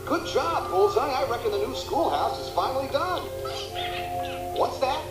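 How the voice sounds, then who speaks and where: A man voicing an eager, excitable cowboy sheriff toy in a cartoon. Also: very high voice, normal speed. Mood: heroic. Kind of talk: animated cartoon acting. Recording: echoey, loud music behind.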